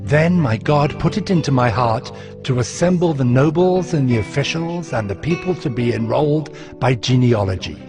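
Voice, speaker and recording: A man playing a steadfast, devout ancient governor, narrating his memoir of scripture in a solemn, measured way. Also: medium pitch, animated, lightly acted. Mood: solemn, resolute. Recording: music behind the voice.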